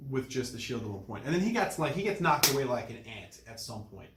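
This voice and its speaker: A man talks through a film as a casual podcast co-host. His voice sits at a medium pitch, and he retells things step by step with emphasis. The room is audibly echoey. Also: very animated, quick pace, a bit bright. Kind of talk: casual film review chat.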